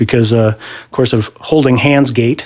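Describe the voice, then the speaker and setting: Here a man is speaking. His pace is moderate. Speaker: comedian, variety show host. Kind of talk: stand-up comedy monologue to a live audience.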